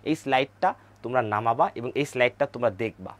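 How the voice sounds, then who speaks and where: A man's voice: mid-range voice, quick pace, no room sound. A male teacher, giving an online history lesson over map slides, repeating key names and quizzing his viewers. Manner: repeats key words, quizzes viewers, has them chant names aloud.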